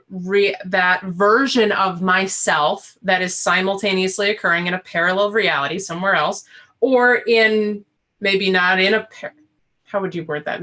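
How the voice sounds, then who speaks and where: A woman's voice: mid-range voice, bright, forceful tone. A woman co-hosting a live spiritual talk stream, chatty and easygoing, with many fillers. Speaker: co-host.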